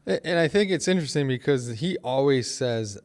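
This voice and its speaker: A man's voice: mid-range voice, animated, fairly quick, a little mellow. A man talking casually on a podcast panel, earnest and emphatic. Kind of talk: casual conversation.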